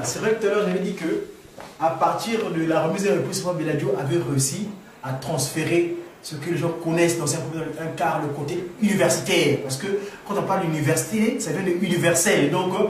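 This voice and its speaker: A fairly high-pitched man from the Republic of the Congo fields questions at a gathering, talking off the cuff to the audience with animated energy, frequent restarts, repeated words, and rising exclamations. The echoey room, distant mic, and slight background noise shape the recording.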